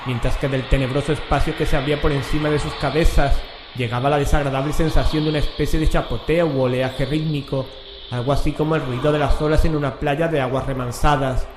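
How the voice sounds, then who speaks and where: A man narrating a horror radio drama from a script in a measured, solemn, literary manner. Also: a little high, steady tone, over music. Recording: echoey room, clear background noise.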